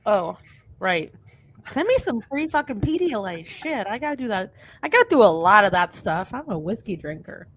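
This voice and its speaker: A woman's voice: mid-range voice, sing-song, moderate pace, a bit bright, no echo. A woman hosting a podcast in casual chat, blunt and sweary, sounding sniffly with a cold. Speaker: podcast host.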